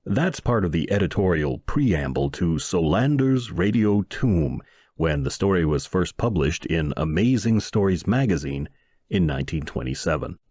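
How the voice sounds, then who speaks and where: A man narrating a humorous short story from a script in an expressive storytelling manner. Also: low-pitched, moderate pace, husky, no room sound, studio quality. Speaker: audiobook narrator and reader.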